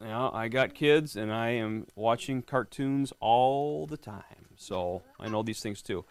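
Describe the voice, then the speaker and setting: A man's voice: medium pitch, slow, clean tone. A middle-aged man, a police lieutenant, reading a picture book to a class of schoolchildren in a friendly way and often quizzing them. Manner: friendly, quizzing the kids, often asks "right?".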